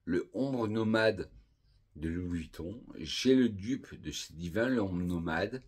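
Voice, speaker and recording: A man from France reviewing perfumes in a casual vlog, calmly and unhurriedly listing scent notes one by one. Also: sits low, slow pace, breathy edge.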